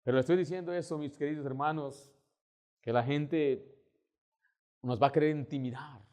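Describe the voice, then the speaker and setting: A male pastor preaching with emphatic storytelling. His voice sits fairly high for a man, and he punches key words and acts out the people in his stories. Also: fairly even intonation, normal speed, mellow. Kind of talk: sermon.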